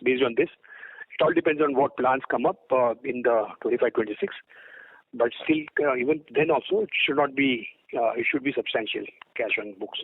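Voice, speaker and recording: A man's voice: mid-range voice, moderate pace, slightly rough, no echo, phone-quality sound. A man with an Indian accent, a company executive answering questions on an earnings call, hesitant and repeating words, over a phone conference line.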